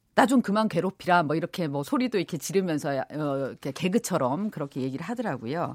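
Speech rushes by at a very fast pace with hardly any pauses, in a very clean recording with a silent background. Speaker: political journalist. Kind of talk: radio political commentary. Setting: radio studio.

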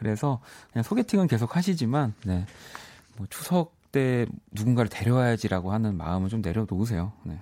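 This man has a plain, everyday voice at a medium pitch. He speaks at a fairly quick pace with lively intonation. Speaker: radio host. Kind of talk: late-night radio chat. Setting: radio studio.

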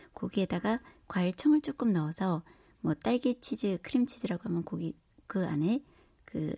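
Very wide pitch swings run through a somewhat breathy voice with a dark, mellow tone, recorded dry and close with no echo on a very clean track with a silent background. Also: woman. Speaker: pastry chef. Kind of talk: interview. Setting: studio.

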